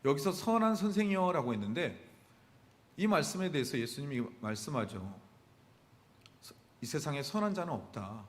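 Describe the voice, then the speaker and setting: A man's voice: mid-range voice, big pitch swings, moderate pace, long pauses, big-room sound. A male pastor preaching a midweek sermon. He asks the congregation rhetorical questions and answers them himself. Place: church sanctuary.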